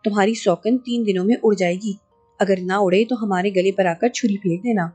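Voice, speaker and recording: A woman's voice: medium pitch, fairly even intonation, warm tone, husky, faint music behind, lightly acted. A woman voicing a scheming, greedy male sorcerer who boasts, bargains and threatens.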